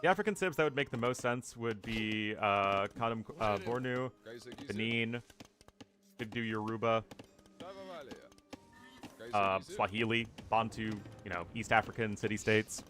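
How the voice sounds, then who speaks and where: A man's voice: lowish voice, unhurried, pauses often, fairly bright tone. A man giving casual live commentary on a strategy game match while answering chat questions, chatty and thinking aloud. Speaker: streamer and caster.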